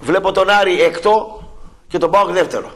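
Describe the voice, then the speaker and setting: Brash joking radio host, high voice. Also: male voice, fairly bright tone. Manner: brash, joking, mocking callers. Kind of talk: casual studio banter.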